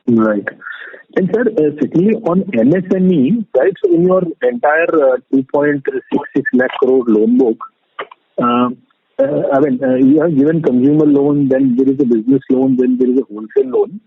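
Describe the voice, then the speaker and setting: A man's voice: medium pitch, animated, normal speed, breathy edge. A man with an Indian accent politely and tentatively asking questions as an analyst on a conference call. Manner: polite, tentative phrasing with tags like "right". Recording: dry, tinny phone line.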